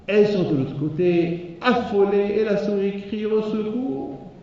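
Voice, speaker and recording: A man giving a sermon, telling a fable in a lively way and acting out the animals. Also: high voice, moderate pace. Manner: lively storyteller who acts out the animals. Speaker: rabbi. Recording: echoey hall from far off, dull.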